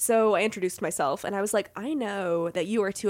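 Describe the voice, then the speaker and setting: With a normal speaking voice, a woman talks at a fairly quick pace and medium pitch with ordinary pitch variation, on a very clean recording with a silent background. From US Midwest, Missouri. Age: 20s. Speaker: comedy writer. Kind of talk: casual chat; storytelling.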